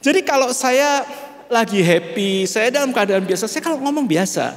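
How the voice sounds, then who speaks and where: A middle-aged male pastor with a Central Javanese accent preaches in a slow, measured way and keeps addressing his listeners directly. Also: extremely high pitch, expressive. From Central Java, Indonesia. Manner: slow, measured delivery, often calls listeners "brother". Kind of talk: sermon. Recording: reverberant church hall.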